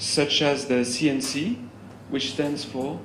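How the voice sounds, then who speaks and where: A fairly high-pitched man speaks with a French accent. Room echo is audible, and background noise is noticeable. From France. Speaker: EU official. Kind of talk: conference speech. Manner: halting.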